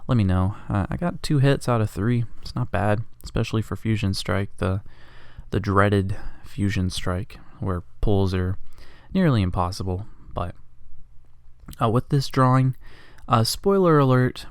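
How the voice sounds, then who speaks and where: A man's voice: on the low side, measured pace, smooth, dry recording. A congested man rambling jokily and casually as he narrates his drawing for a vlog at home. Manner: rambling, jokey, self-deprecating. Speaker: art vlogger.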